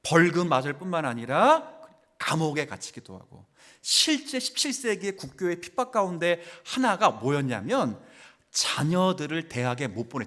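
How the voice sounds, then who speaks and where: In a church sanctuary, a male pastor delivers a sermon in a high, very animated voice. He asks his congregation questions directly and swings between loud, forceful exclamations and near-whispers.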